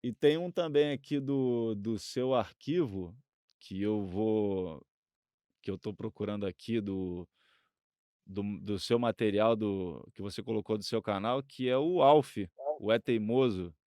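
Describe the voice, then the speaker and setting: A man's voice: fairly low pitch, unhurried, darkish tone, clean tone, dry recording, clean studio sound. A man with a Brazilian accent talking casually as an interview guest, explaining things informally and a little hesitantly. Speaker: guest radio researcher.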